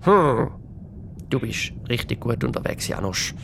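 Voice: mid-range voice, very animated, measured pace, slight background noise. A quiz host with a Swiss German accent, upbeat and encouraging on a children's radio quiz.

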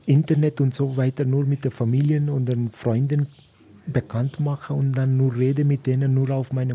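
A man from India, a priest, speaking German as a second language in a radio interview, halting and searching for words. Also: mid-range voice, warm tone. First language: not German.

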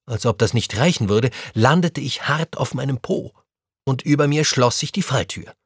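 A man reading a children's adventure story aloud with an animated, expressive delivery. His pitch roams widely and his voice has a slightly husky grain. The recording is close and dry. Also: moderate pace, no room sound. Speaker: story reader.

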